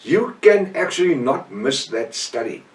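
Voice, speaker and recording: A middle-aged man, a native Afrikaans speaker with a South African accent, preaches a Bible lesson off the cuff in short, halting, emphatic phrases with repetition. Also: mid-range voice, very animated. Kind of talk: extemporaneous Bible teaching sermon. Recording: echoey room, distant microphone.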